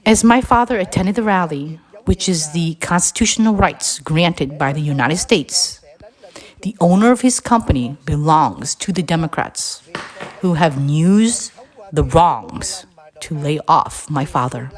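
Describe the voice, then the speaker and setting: A woman reading a scripted address aloud in a deliberate, halting way, phrase by phrase. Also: low voice. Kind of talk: scripted read-aloud narration.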